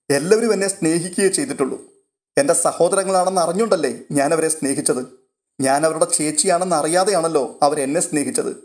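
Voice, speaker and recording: A man's voice: on the high side, lightly acted. A man voicing a tearful, selfless young woman pleading through her sorrow in a read-aloud story.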